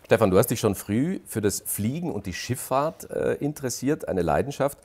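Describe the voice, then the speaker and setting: A man's voice: medium pitch, lively intonation, normal speed, a little mellow. A middle-aged man, hosting a TV interview and asking questions in a friendly, conversational way. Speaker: host. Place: rustic hotel lounge.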